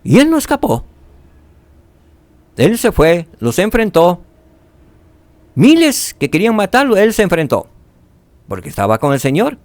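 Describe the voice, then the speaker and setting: Man teaching a scripture lesson, lively rising and falling pitch, dry close sound. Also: unhurried, pauses often, no room sound. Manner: animated, rhetorical questions, drops to soft tones for emphasis.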